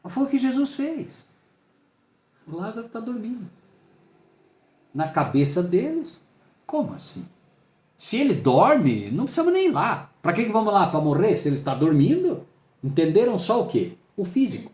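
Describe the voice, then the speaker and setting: A man's voice: high voice, sing-song, moderate pace, darkish tone, roomy sound. A man with a Brazilian accent leading a Bible study, emphatic and full of rhetorical questions he answers himself.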